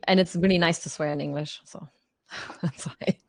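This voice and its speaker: A woman's voice: low-pitched, fairly even intonation, gravelly, dry recording. A woman whose first language is German, hosting a casual chat and laughing often. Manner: friendly, laughs often, quick interjections. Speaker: host.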